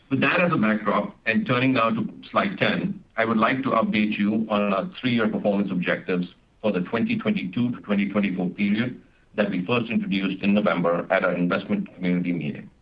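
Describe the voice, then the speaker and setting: A man speaking as a finance executive on an earnings call, in a formal, measured way. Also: fairly low pitch, slightly rough. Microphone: conference call line. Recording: dull, lo-fi conference call audio.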